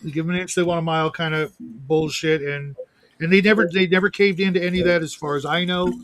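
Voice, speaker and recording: A man's voice: fairly high pitch, fairly even intonation, quick pace, a bit bright, no room sound. A man co-hosting a casual livestream chat, rambling and swearing with lots of restarts. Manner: rambling, profane, with frequent restarts. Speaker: co-host.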